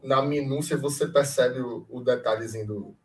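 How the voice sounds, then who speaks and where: A man's voice: mid-range voice, moderate pace, darkish tone, distant mic, slight background noise. A man with a Northeastern Brazilian accent from Ceará in casual podcast chat as editor and co-host.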